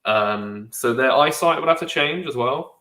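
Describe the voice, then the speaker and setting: A man's voice: medium pitch, expressive, measured pace, pushed and bright. A young man co-hosting a podcast, rambling in casual chat, swearing freely and dropping slang. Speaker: podcast co-host. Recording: echoey room.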